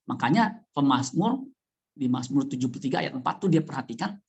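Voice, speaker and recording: Animated pastor. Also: male voice, brisk, gravelly. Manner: animated, with wide swings of pitch and loudness; conversational, addressing the congregation directly. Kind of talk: sermon. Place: church.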